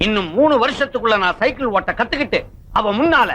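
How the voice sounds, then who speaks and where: A man's voice: very high voice, lively intonation, quick pace, sharp tone, muffled recording, exaggerated voice. A man playing a schoolmaster in a film comedy, asking stern, scolding questions.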